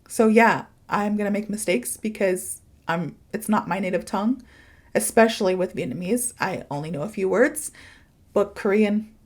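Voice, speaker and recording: A woman hosting a casual motivational podcast like a teacher, chatty and informal, with emphatic phrasing and giggly asides. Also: on the high side. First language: English. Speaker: podcast host and English teacher.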